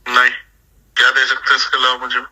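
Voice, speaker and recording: A man's voice: medium pitch, monotone, fast talker. A man talking casually and insistently on a recorded phone call, boasting and repeating himself. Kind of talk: casual private phone conversation. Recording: tense, sharp leaked phone call recording. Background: played back from a call recording.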